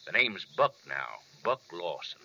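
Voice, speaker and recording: An excitable, folksy ranch boss with a piercingly bright voice that swoops up and down. He blusters anxiously in 1940s radio style, on a muffled, slightly noisy old recording. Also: deep voice, measured pace, heavily acted. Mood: boastful, hearty. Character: blustery, anxious male guest-ranch owner playing cowboy. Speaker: supporting actor.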